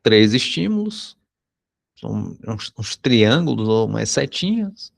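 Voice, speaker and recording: A Brazilian man, a psychology teacher, telling a personal anecdote in a conversational lesson, often tagging sentences with a quick question. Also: lowish voice, very animated, creaky. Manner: conversational, frequent tag questions. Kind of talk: anecdote told in a recorded lesson.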